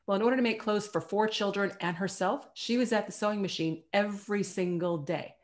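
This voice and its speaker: A middle-aged woman speaking as a panelist and telling family stories. She is animated and slips into other people's voices when she quotes them. Her pitch sits in an ordinary middle range. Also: brisk. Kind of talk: panel discussion storytelling.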